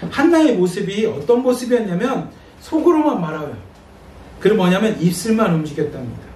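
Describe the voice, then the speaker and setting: A male pastor giving a sermon and reading scripture, talking in a conversational, animated way. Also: high voice, a little fast. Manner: conversational, animated preaching with acted-out asides. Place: church sanctuary. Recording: echoey church, distant mic, faint noise.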